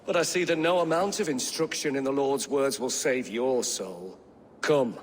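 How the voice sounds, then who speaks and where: An actor playing a haughty, sanctimonious Christian priest with a preachy, theatrical delivery in a video game, in a reverberant hall. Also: male voice, mid-range voice, normal speed, a little hiss or hum, lightly acted. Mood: pious disdain. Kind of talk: dramatic video game dialogue. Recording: long reverberant hall echo.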